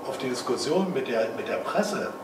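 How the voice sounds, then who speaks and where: A man's voice: medium pitch, big pitch swings, moderate pace. An older man from Berlin giving an opinionated, colloquial comment from the audience at a panel discussion. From Berlin, Germany. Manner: emphatic, colloquial. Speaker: audience member. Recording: echoey room, voice from far off, noisy.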